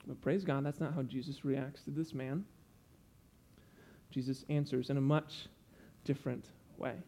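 A man's voice: medium pitch, steady tone, measured pace, warm tone. A young man preaching a sermon, earnest and explanatory, stopping to teach with asides.

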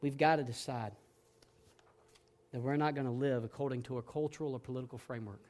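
A man's voice: mid-range voice, steady tone, fast talker. Earnest male pastor preaching. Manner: earnest, swings between hushed and emphatic. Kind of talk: sermon.

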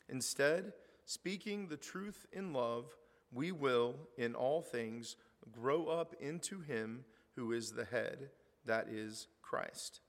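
A middle-aged man preaching a sermon, his voice hoarse, talking conversationally and reading scripture aloud with rising emphasis. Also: mid-range voice, fairly bright tone. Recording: reverberant hall.

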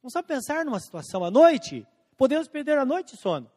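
A man preaching a sermon as pastor, slowing down and stretching out scripture quotes, swinging between emphatic and hushed lines. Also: extremely high pitch, sing-song. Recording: long hall reverb.

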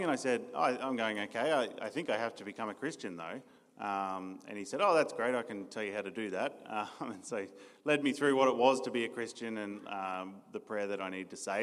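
In a reverberant church hall, a young Australian man newly joining the church staff tells his personal testimony during an interview. He's earnest but stumbles with many ums and restarts, his voice on the low side and a bit bright.

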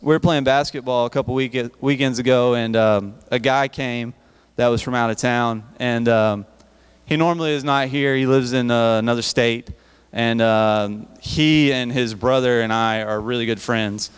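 A man's voice: medium pitch, fairly even intonation, moderate pace, smooth. Man preaching to youth in a reverberant hall. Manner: conversational, repeats words and restarts. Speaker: youth speaker. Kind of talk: youth service sermon. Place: church hall.

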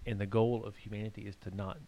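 A man, a pastor, chatting casually and joking about himself, with a higher, somewhat whiny voice. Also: little pitch movement, fast, warm tone. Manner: self-deprecating, joking. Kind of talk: casual chat.

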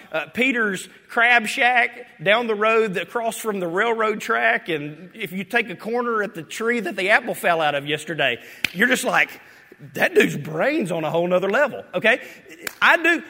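A man preaching a sermon as pastor, animated and swinging from loud to hushed. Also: sits high. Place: church sanctuary. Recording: echoey hall with long reverb.

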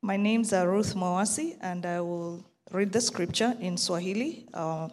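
Kenyan woman, Taita native, steady measured reader, reverberant hall. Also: fairly low pitch, slight background noise. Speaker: congregation member reading scripture.

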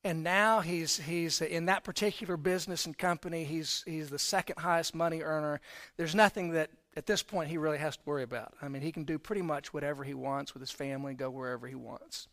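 High-voiced preacher man. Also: steady tone, fast talker. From Texas, raised in Florida. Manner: conversational, swings from quiet to loud emphasis. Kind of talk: sermon with personal storytelling.

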